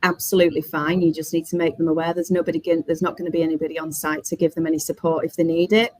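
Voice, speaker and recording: A woman's voice: sits low, level tone, very fast, a little mellow, dry recording. A woman giving informal webinar panel answers in short, blunt, matter-of-fact sentences. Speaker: workspace operator, panelist.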